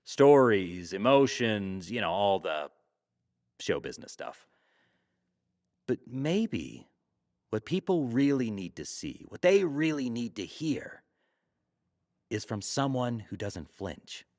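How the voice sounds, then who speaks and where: A man's voice: on the low side, very animated, slow, long pauses, a little mellow. Slick male interviewer, showman, swooping intonation, wry, teasing, probing, sci-fi audio drama broadcast. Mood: earnest. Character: glib, teasing male talk show host, slick showman.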